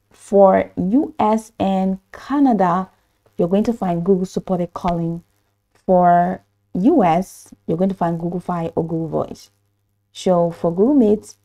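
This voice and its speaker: A woman gives a step-by-step tutorial voice-over. Her voice sits a little low and has a very mellow, soft-edged tone. She explains in an instructional way and hesitates here and there. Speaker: tutorial narrator. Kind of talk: step-by-step software tutorial narration. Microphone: voice-over for screen recording.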